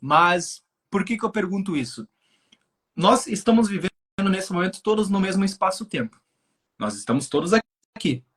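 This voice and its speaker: A man in his twenties, a guest speaker on spirituality, gives an explanatory talk on a live stream over a video call, often checking in with listeners. He thinks aloud with many filler tags in a high, animated, fairly bright voice that's slightly rough, at a moderate pace.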